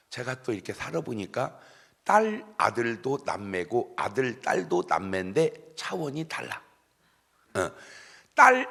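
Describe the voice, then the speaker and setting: A man's voice: mid-range voice, gravelly, fairly bright tone, husky. A middle-aged male pastor preaching a sermon, with humour, who keeps quizzing the congregation and having them answer together. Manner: call-and-response questions to the congregation, humorous. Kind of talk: sermon at a dawn revival service. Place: church sanctuary. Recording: echoey church hall.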